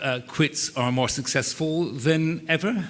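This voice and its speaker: A man with lively intonation, amid noticeable background noise. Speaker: public health policy speaker. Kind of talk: conference talk. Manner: hesitant, many fillers.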